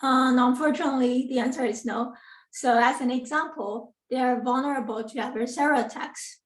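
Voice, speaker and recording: Through a distant computer mic in a roomy setting, a high-pitched woman speaks at a moderate pace in a steady tone. She is a thirtysomething assistant professor from Taiwan guest-lecturing over video call, earnest and full of ums and self-corrections.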